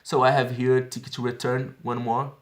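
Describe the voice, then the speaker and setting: A man's voice: medium pitch, level tone, normal speed. Brazilian guy in his 30s, english w portuguese accent, earnest chatty app walkthrough, keeps asking okay?. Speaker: language-learning vlogger.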